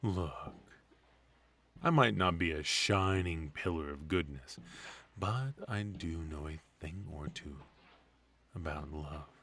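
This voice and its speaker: A man's voice: extremely low pitch, takes it slowly, fairly bright tone, heavily acted. A man playing a retired supervillain husband in a comedic ASMR roleplay, teasing and doting with a theatrical, conversational delivery. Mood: tender, sly.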